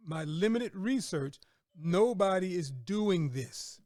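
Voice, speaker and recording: Speaking slowly in a high, animated, slightly mellow voice, a middle-aged man hosts a conversational interview as a podcast host and business mentor. He affirms and repeats words and phrases to emphasize points, captured in a dry, studio-quality recording.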